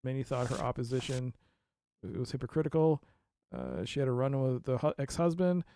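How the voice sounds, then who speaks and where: A man's voice: mid-range voice, sing-song, moderate pace, dark tone, no room sound, clean studio sound. A man streaming a mystery game, reading case notes aloud and reacting with laughs and asides. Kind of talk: casual let's play commentary.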